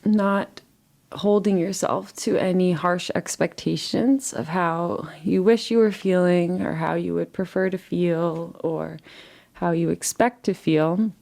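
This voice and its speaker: Mellow, low-voiced woman guiding meditation. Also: steady tone, gravelly. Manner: soothing, gentle, unhurried with pauses. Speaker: guided meditation teacher. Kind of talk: guided relaxation meditation, live session.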